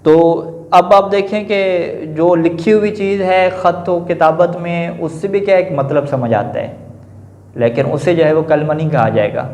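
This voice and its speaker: A male teacher giving a classroom lecture on grammar, posing questions to the class and answering them himself, often adding a quick confirming filler. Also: fairly high pitch, a little mellow. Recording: echoey room, dull lo-fi sound.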